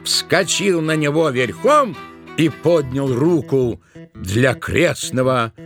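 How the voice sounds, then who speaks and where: A man narrating a literary tale in an expressive, theatrical storytelling style. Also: medium pitch, slow pace, gravelly. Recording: music behind the narration.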